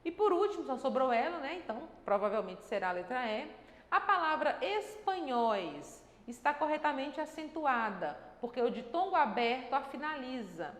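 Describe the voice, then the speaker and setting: A woman's voice: sits high, very animated, moderate pace. A woman teaching a grammar lesson for exam preparation, explaining step by step and checking in with her students with short tags, with a slightly dry throat. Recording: echoey room with long reverb.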